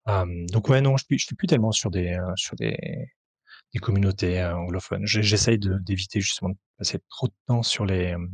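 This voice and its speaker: Gravelly, hesitant French-speaking man. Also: sits low, a little fast, dry recording. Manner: hesitant, many fillers and restarts. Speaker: tabletop RPG author, translator and publisher. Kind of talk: conversational interview answers.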